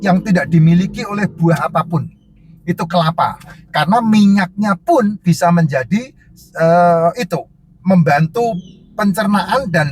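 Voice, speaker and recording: A man's voice: high voice, breathy edge. A man who sells herbal drinks, answering viewer questions in casual, emphatic, repetitive advice that lists point after point.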